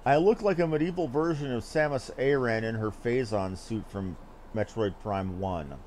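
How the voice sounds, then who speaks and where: A man's voice: mid-range voice, normal speed, a little mellow, slight background noise. A man giving casual, offhand gameplay commentary with geeky asides as he streams. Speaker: game streamer.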